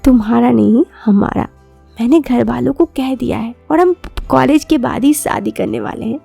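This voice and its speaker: A woman plays a young college boyfriend in a romantic audio story. He is smitten, coaxing and insistent, with a high, creaky, mellow voice. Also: normal speed, no echo, soft background music, exaggerated voice.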